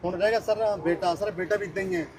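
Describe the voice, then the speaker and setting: An older man speaks deferentially and tearfully, often saying sir. His voice is high and quick. Crowd noise can be heard behind him. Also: fairly even intonation. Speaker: husband of the woman.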